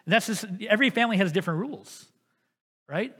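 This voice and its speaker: A man's voice: high-pitched, fast talker, breathy edge. Earnest male pastor in echoing hall. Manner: storytelling, earnest and animated. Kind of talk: sermon.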